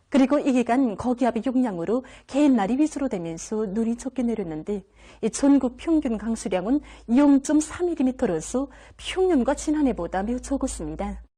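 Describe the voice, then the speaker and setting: A female weather presenter with a North Korean accent delivers a scripted report. Her voice is fairly high yet very mellow and soft-edged.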